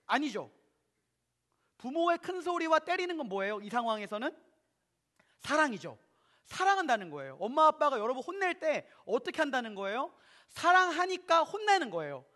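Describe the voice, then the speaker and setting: A man preaching to children and families in church, animated, constantly asking the congregation questions and sometimes acting out parents and kids. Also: very high-pitched, moderate pace. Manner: acts out parents and children in quoted voices; occasionally shouts for emphasis. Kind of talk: children's sermon at a family revival. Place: church sanctuary.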